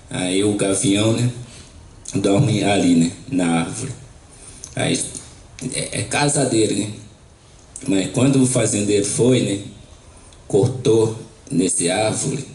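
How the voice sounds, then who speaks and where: A man whose first language is Maxakali, an indigenous teacher on a panel, retelling a traditional story in a slow, halting way, tagging most phrases with a question. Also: lowish voice, darkish tone, a little hiss or hum. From Brazil. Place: university lecture hall. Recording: echoey hall.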